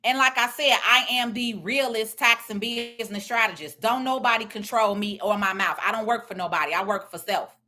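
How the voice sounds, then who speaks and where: A middle-aged woman with a loud voice and a confident, blunt way of talking, giving social media commentary as a tax and business strategist. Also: a little high, a little fast, hardly any pauses. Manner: confident, emphatic, plain-spoken.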